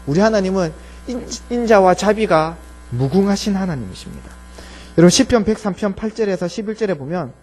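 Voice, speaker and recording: A man preaching a Sunday sermon from a church pulpit, his voice a little high with a husky edge. He speaks earnestly and often sinks to a soft, low tone as he pleads. A faint electrical hum sits under the recording. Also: low-quality recording. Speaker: pastor. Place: church sanctuary.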